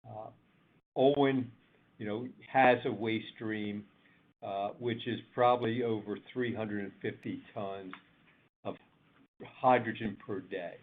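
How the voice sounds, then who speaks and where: A man with a somewhat low voice leads an earnings call as a senior executive. He talks deliberately, breaking sentences into short pieces. The line is narrow and phone-like. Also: steady tone. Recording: tinny phone conference line.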